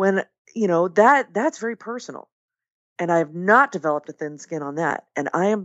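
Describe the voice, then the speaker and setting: At a fairly quick pace, a plain, everyday voice moves with lively intonation. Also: woman. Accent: American. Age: 40s. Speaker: journalist and author, former radio host. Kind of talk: casual interview chat.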